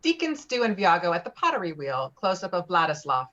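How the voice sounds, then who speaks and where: A woman's voice: on the low side, very animated, a little fast, fairly bright tone. A woman reading screenplay stage directions in an online table read, over lo-fi call audio. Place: remote video-call reading. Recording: dull, lo-fi video-call audio.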